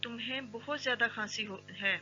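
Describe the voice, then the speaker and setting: An English teacher who drills everyday phrases, repeating each one and saying the English lines very slowly and clearly. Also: mid-range voice, bright, forceful tone. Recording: slightly dull sound with faint background music.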